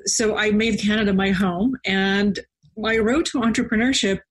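A woman from Slovakia, speaking as a guest on a podcast. Her voice is slightly husky, and she talks earnestly, often doubling words as she searches for the next thought. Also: medium pitch, steady tone, normal speed. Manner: earnest, repeats words while thinking. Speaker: guest, coach. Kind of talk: podcast interview.

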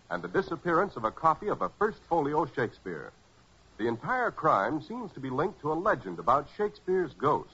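A man's voice: mid-range voice, a bit bright, husky. A man with an American accent announcing in polished, emphatic 1940s radio advertising style. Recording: muffled 1940s radio recording.

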